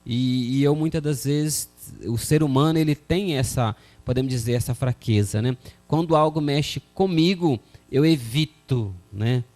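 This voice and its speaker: Speaking a little slowly in a mellow, mid-range voice, the man hosts a religious TV program with soft music behind him. His talk on forgiveness is earnest and preacherly, full of "né?" fillers, as he reads scripture and messages from viewers.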